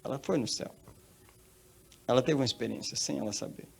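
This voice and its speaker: A man with a Brazilian Portuguese accent preaches a sermon. His voice sits at an ordinary, mid-range pitch. He tells his story emphatically and repeats phrases for weight. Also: brisk, creaky, darkish tone, a little hiss or hum. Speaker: pastor.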